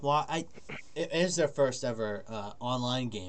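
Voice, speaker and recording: This voice moves at a fairly quick pace with ordinary pitch variation. It is a normal speaking voice. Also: man. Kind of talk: casual chat. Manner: joking, laughs a lot.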